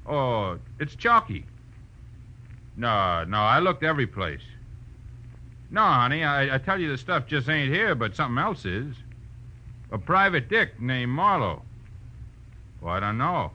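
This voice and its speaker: Sneering radio-drama thug, wildly swooping voice. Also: male voice, mid-range voice, sharp tone, full character voice. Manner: slangy, taunting, bullying. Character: menacing, sneering tough crook with a gun. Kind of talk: 1940s radio crime acting. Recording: dull, lightly noisy old radio recording.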